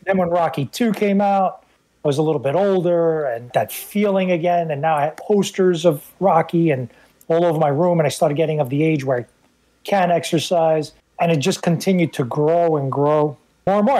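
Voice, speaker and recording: Breathy New man reminiscing. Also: a little high, mellow, poor audio. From the Bronx, New York. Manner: earnest, reminiscing, repeats words as he starts sentences. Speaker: guest host. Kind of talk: casual podcast chat.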